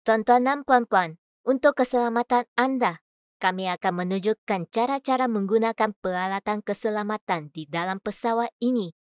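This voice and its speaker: A woman voice-over artist reads prepared copy in a medium-pitched voice. Her delivery is measured and clearly enunciated, and the recording is close and dry. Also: no echo. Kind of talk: scripted voice-over demo: adverts, narration, announcements.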